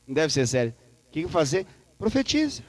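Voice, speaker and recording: A man's voice: mid-range voice, no echo. A man preaching a sermon in a Brazilian Portuguese accent, playful and joking, acting out dialogues in shifting voices. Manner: animated, acts out dialogues with God in shifting voices; playful, joking and laughing with the congregation. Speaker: pastor. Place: church service.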